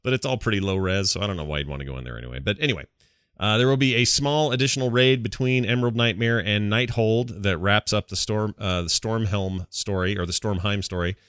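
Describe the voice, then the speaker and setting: A man's voice: fairly low pitch, fast, fairly bright tone, smooth, no room sound, studio quality. A man hosting a gaming podcast, talking casually and rambling through informal asides. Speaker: podcast host.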